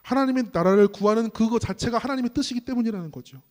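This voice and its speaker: A man delivering a sermon-style lecture in a high-pitched voice. He spins a parable and turns to address the audience directly. A long hall reverb trails every phrase. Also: quick pace. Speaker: ministry staff speaker.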